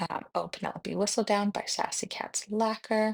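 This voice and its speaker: A woman speaks quietly at a moderate pace. Her voice has vocal fry. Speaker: nail polish reviewer. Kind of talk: product review.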